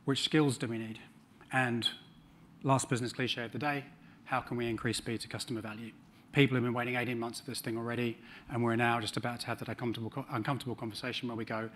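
A man's voice: mid-range voice, fairly bright tone, slight background noise. A middle-aged man with a New Zealand accent giving a conference talk on a large stage, with dry humor and frequent ums. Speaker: conference speaker.

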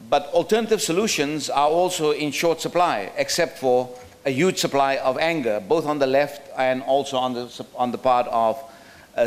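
A middle-aged man from South Africa giving a talk at a roundtable from a podium in a hotel function room, thoughtful and hesitant with many fillers and restarts. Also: medium pitch. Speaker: speaker at a roundtable. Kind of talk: lecture with slides. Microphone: podium microphone.

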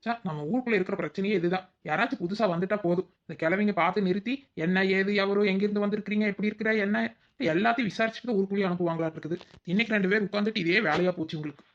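Rapid-fire scheming daughter-in-law, acted by a woman. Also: mid-range voice, dull audio, natural voice. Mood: exasperated. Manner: muttering asides, fretful. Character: scheming, exasperated young village daughter-in-law. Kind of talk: cartoon comedy dialogue.

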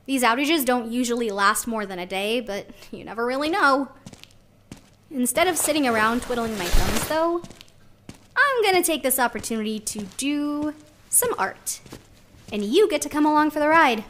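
Wry, caring artist, high voice, conversational audio drama diary, faint background noise. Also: female voice, lively intonation, moderate pace, a bit bright. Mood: curious, excited. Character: chatty, wry, caring woman artist living underground.

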